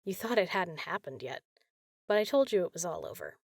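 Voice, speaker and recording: A woman playing a caring, teasing big sister in an intimate comfort roleplay, talking softly and casually. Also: fairly low pitch, wildly swooping pitch, fairly quick, creaky, dry recording, studio quality, heavily acted. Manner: soft, soothing, casual, playful.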